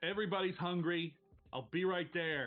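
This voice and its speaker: A put-on character voice from a man with a New Jersey accent, high in pitch, at a moderate pace with fairly even intonation. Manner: brusque, chewing gum.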